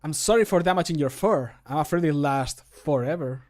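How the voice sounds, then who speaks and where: A man voicing a punning, mock-sincere fantasy game character, delivering scripted lines in a deliberate, emphatic way. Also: on the high side, lively intonation, lightly acted. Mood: mock apologetic.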